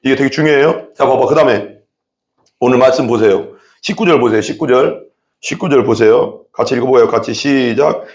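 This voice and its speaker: A male pastor preaching an animated sermon in a church, acting out quoted prayers and voices. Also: medium pitch, fairly quick, echoey room. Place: church sanctuary.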